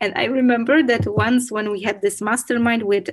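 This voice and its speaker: A woman in a Polish accent at a moderate pace, with ordinary pitch variation. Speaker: podcast host. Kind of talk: interview.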